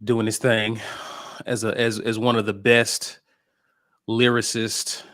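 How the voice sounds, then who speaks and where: A man's voice: fairly low pitch, flat delivery, slow, fairly bright tone. A man hosting a sports talk show, moving between casual banter and recruiting news in an informal way.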